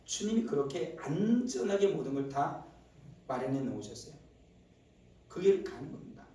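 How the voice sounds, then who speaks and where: A man preaching in a church, his fairly high voice ringing through a very echoey hall and sounding set back from the mic. He drops to low murmurs, then bursts into loud exclamations, and keeps throwing rhetorical questions at his listeners. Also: sing-song, moderate pace, recorded from a distance. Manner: asks the congregation rhetorical questions. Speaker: pastor. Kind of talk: sermon. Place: church sanctuary.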